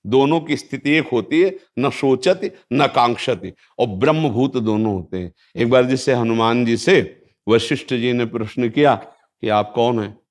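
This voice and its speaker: A man giving a calm spiritual discourse, reciting Sanskrit verses and affirming listeners often. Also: mid-range voice, normal speed. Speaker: spiritual teacher.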